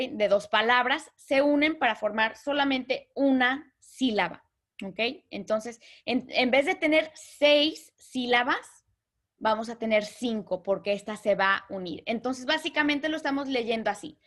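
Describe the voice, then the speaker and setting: A woman teaching a literature lesson, patiently explaining terms and slowly counting out syllables. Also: a little high, pushed and bright.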